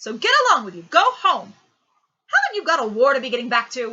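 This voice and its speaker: A woman performs a put-on character voice at a high pitch. She moves fairly quickly, with very wide pitch swings. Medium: read story. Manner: brisk, blunt.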